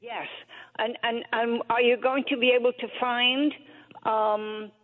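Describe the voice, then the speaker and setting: A woman's voice: a little high, little pitch movement, measured pace, big-room sound, narrow, tinny audio. A woman from England with an English accent, calling in to a radio show and chatting with enthusiasm and plenty of repetition. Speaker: caller. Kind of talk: casual call-in chat.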